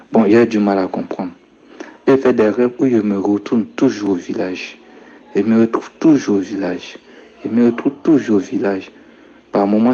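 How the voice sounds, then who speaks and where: A young man telling a personal testimony in a soft-spoken way, dropping his voice low when he quotes his grandfather. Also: slightly rough. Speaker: storyteller recounting his life. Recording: dull lo-fi recording.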